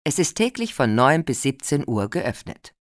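A woman's voice: rumbling low, very animated, normal speed, no room sound, clean studio sound. A woman playing a radio presenter, reading scripted event listings in an informative, carefully articulated way.

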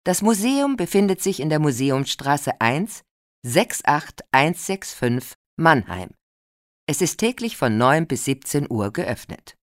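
Low female voice, lots of melody, actress as radio presenter reading event tips, dry studio sound. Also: no room sound. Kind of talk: scripted radio event announcement.

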